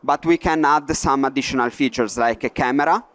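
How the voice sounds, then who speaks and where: Italian-accented man, smooth clear voice. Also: medium pitch, brisk, fairly bright tone. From Italy. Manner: hesitant, many "uh" fillers, non-native phrasing. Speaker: workshop presenter. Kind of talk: live product demo presentation. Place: trade fair stage.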